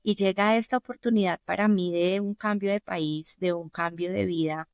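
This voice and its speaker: A woman's voice: mid-range voice, fairly even intonation, moderate pace, clean tone, no echo, clean studio sound. Earnest Colombian woman telling a story. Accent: Colombian Spanish. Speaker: podcast guest. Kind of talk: conversational interview.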